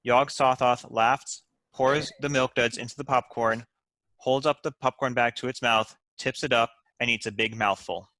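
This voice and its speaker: Bright-voiced man reading stage directions. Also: mid-range voice, steady tone, moderate pace, no room sound. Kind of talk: scripted narration at a table read.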